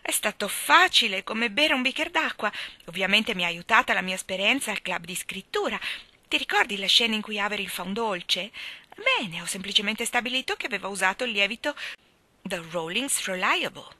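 A woman voicing an excited, chatty teenage girl who talks eagerly and breathlessly in a storybook. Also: mid-range voice, fairly quick, no room sound.

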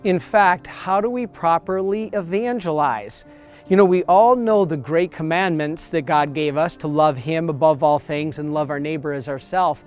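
A priest in his forties speaks straight to the camera outdoors on church steps, earnest and emphatic in a slightly high man's voice. His words come through a clip mic with faint music underneath. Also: moderate pace, darkish tone, clean tone. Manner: earnest, emphatic preaching with hand gestures. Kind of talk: promotional sermon to camera.

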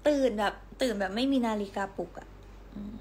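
A young woman hosting a casual livestream from home, telling stories in a chatty, giggly, animated way. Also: medium pitch, brisk, slightly rough. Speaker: idol livestream host.

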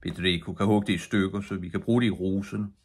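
A man reading aloud voices an exhausted old fisherman, worn out and humble, weary and plain-spoken, with a low husky voice. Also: fairly even intonation.

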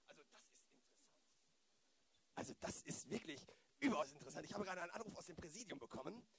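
A man playing a stammering, excitable police detective in an improvised amateur radio play. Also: on the high side, quick pace. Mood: intrigued. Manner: hesitant, repetitive, stammering.

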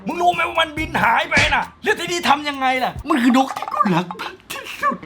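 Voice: high voice, sing-song, fast, sharp tone, heavily acted. A performer voicing a middle-aged father who is grieving for his lost pet bird, in a cartoon fan dub, with music underneath. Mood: furious. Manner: wailing, then bitter and threatening.

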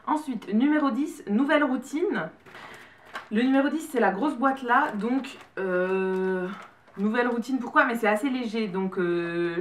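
A young woman speaking with a French accent chats through a casual unboxing. Her voice sits a little high and her delight bubbles up often. She sounds set back from the mic in a roomy space. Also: far from the mic, slight background noise. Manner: chatty and excitable, quick bursts of delight. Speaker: beauty vlogger.

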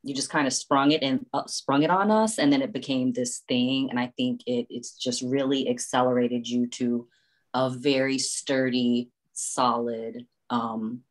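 A woman from West Virginia with a strikingly deep, low voice talks on a group podcast call. She chats freely and searches for words aloud as she goes. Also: steady tone, a little slow. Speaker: guest director. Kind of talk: casual chat.

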